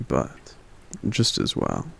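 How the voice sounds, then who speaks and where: A man playing a gentle, contented forest giant in an ASMR roleplay, musing softly and hesitantly with little hums in a gravelly voice. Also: takes it slowly, slight background noise. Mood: calm, content. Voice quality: very deep, gravelly. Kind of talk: ASMR roleplay, soft intimate character monologue.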